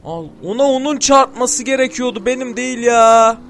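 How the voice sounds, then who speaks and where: A young man plays a game and talks over it, his voice sitting high. He swears constantly and keeps shouting angrily at the game. A faint noise hums behind him. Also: normal speed. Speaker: gameplay streamer. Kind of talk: gameplay commentary.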